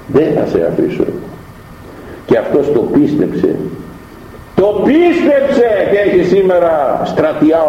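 A man preaching a sermon, who tells stories and often jumps up into high voices to act out what people said. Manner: animated, jumps to high pitch when acting out voices. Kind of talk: sermon on scripture. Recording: echoey dull room recording with faint noise.

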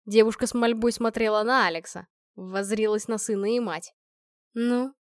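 A woman narrating an audiobook in a calm, even storytelling manner. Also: medium pitch, a little fast, no echo, studio quality. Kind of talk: scripted narration.

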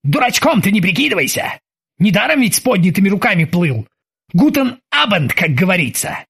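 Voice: medium pitch, big pitch swings, a little fast, vocal fry, a bit bright, slightly rough, pitched above the performer's own voice, full character voice. A narrator voicing a blustering ship captain who interrogates in broken mock-German, bossy and barking. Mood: bossy interrogating. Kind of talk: audiobook character voice.

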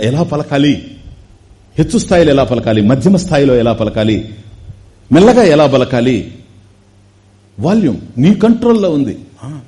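A man gives a spiritual discourse, and his pitch rises and falls in wide, animated swings. He draws out chanted Sanskrit terms, then drops into easy, chatty explanation with laughs and asides. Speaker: spiritual teacher giving a discourse. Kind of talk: Telugu religious discourse on scripture.

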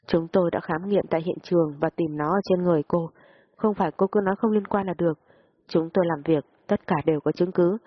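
A woman voicing a stern male police officer who questions firmly and briskly. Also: lowish voice, fairly even intonation, lo-fi sound, close to an everyday voice.

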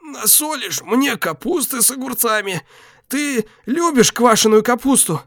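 A man reading an audiobook, voicing a mortally wounded young man who speaks slowly through strain and coughing. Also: very high voice, lively intonation, vocal fry, a bit bright, no room sound, clean studio sound, pitched above the performer's own voice, exaggerated voice. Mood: tender. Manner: slow, strained, breaking into coughs. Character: dying young man, wounded, bitterly tender. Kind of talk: audiobook character voice.

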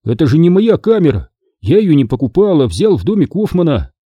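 A man's voice: on the high side, very animated, fairly quick, mellow, husky, no echo, clean studio sound, pitched above the performer's own voice. A man voicing a level-headed, cautious boy in a storybook reading.

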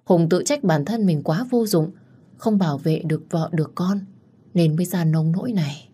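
A woman narrating a dramatic romance story in a steady storytelling manner. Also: lowish voice, moderate pace, slightly rough.

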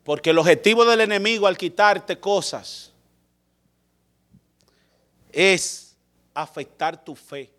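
Male preacher, high bright voice, dramatic sermon with loud and hushed turns. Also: takes it slowly, long pauses.

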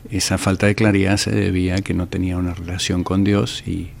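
Older Argentine man, very low gravelly voice, halting radio-interview guest, faint hum behind. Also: little pitch movement. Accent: Argentine Spanish. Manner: hesitant, many fillers and restarts. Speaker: ministry director and guest. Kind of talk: radio interview, relaxed storytelling.

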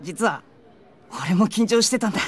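Husky, earnest teenage schoolboy. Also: female voice, mid-range voice, animated, normal speed, some chatter behind. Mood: sincere, wistful. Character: earnest, nervous teenage schoolboy in a drama club. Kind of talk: Japanese anime-style audio drama acting.

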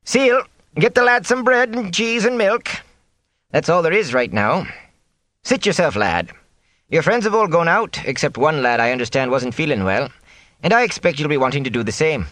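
A man voicing a sharp-tongued, plump female inn cook who scolds in a folksy dialect. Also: on the high side, animated, normal speed, no room sound, pitched above the performer's own voice. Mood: chatty, brisk.

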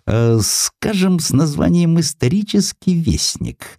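A man's voice: on the high side, sing-song, measured pace, warm tone, dry recording, clean studio sound, voice pushed up, exaggerated voice. Sly, scornful old-time press baron, voiced by a male reader, hearty, swooping intonation, audiobook drama. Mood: scheming, hearty. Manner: hearty, dismissive, juicy delivery. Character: sly, blustering male newspaper publisher, coarse and scornful.

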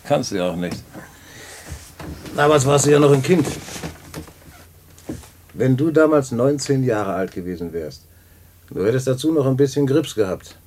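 An actor playing a streetwise, chummy jailed black-marketeer in a radio drama, slangy, worldly-wise and patronising. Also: male voice, mid-range voice, expressive, moderate pace, pauses often, darkish tone, a little hiss or hum, close to an everyday voice. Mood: wistful, urging. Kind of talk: post-war German radio play dialogue.

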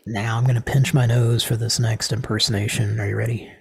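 Rambling deadpan male show host. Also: medium pitch, a little fast, gravelly, noisy background. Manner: rambling, deadpan, crude jokes. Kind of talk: casual comedy radio show.

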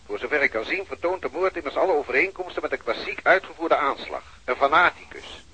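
A man acts out an officious police chief in a radio drama. His voice is slightly high, bright and tense, very husky, and he talks fast, lecturing about caution and tact. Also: animated, exaggerated voice, low-quality recording. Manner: admonishing, officious. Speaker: police superior. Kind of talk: Dutch radio play acting.

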